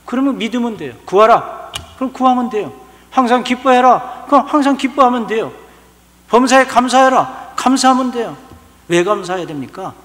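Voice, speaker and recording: Male pastor, lively sermon delivery, higher voice, reverberant church hall recording. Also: fairly quick. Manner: animated preaching with sudden loud and soft swings.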